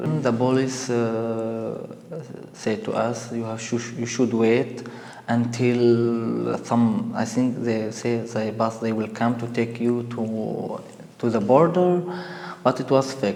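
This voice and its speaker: Over noticeable background noise and audible room echo, a man with a Kurdish accent speaks at a very slow pace with fairly even intonation. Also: medium pitch for a man. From Syria, Kurdish region (Amuda). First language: Kurmanji Kurdish. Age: 20s. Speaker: interpreter for refugee NGO. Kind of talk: interview testimony. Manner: halting, many fillers.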